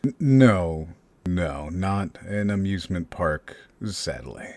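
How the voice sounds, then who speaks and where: An actor playing a huge, mockingly polite kidnapper in an audio drama, slow, taunting and gleefully sinister. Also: male voice, low voice, animated, a little mellow, no echo, full character voice. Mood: amused menace.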